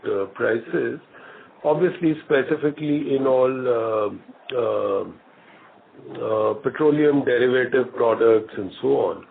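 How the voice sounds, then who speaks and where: Slow-speaking Indian man on a phone line. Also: mid-range voice, creaky. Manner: measured, hesitant, formal, with frequent pauses. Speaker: company executive answering questions. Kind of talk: earnings call answers. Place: conference call. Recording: muffled narrow phone line with some noise.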